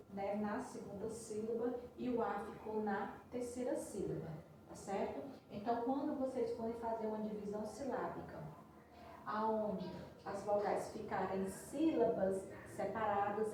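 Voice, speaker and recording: A woman teacher giving a recorded lesson, patiently spelling out words and checking in with her students as she goes. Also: mid-range voice. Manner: patient, spells out syllables slowly, checks in with "tá certo?". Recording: very echoey room, voice far from mic, faint noise.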